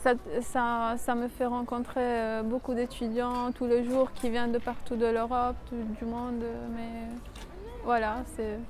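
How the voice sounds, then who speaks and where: A woman speaks at a very slow pace with a high pitch. Her intonation is monotone and flat. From Italy. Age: 20s. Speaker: chemistry student. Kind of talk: interview. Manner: hesitant, many filler sounds.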